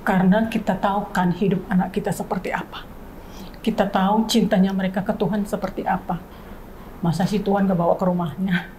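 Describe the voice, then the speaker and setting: A woman's voice: medium pitch, level tone, a little fast, mellow, slight background noise, poor audio. A woman in her fifties, a grieving mother, giving an earnest faith testimony in an interview and repeating key phrases for emphasis. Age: 50s. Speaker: bereaved mother, guest.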